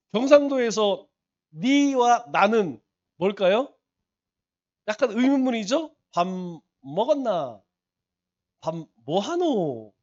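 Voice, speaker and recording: A man's voice: sits high, highs cut off. A male pastor teaching a Bible study, asking the congregation rhetorical questions and repeating points for emphasis.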